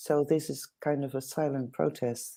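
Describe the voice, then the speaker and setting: A woman speaks with a dark, mellow tone. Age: 60s. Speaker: guest sharing spiritual perspectives. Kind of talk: interview.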